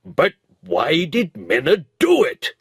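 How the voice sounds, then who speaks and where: A man voicing a steady middle-aged male grocer in a storybook reading, earnest and deliberate. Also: on the high side, husky, no room sound, clean studio sound, pitched above the performer's own voice, full character voice.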